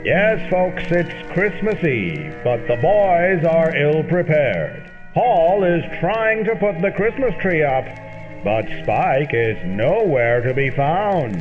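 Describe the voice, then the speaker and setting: A man playing a grandly formal 1940s-style radio announcer, introducing a sitcom in measured tones on an old-time radio recording. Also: on the high side, big pitch swings, phone-quality sound, faint music behind.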